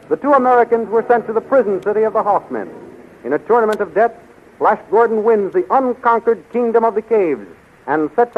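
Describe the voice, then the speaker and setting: A man narrating a 1930s radio adventure serial as announcer, in formal, dramatic scripted declamation. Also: high-pitched. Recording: tinny, faintly noisy 1930s radio recording.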